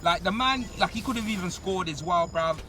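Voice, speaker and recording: A young man, giving a comedic, slang-heavy rant as a football fan in an animated, exasperated manner. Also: high voice, a little fast, distant mic, slight background noise.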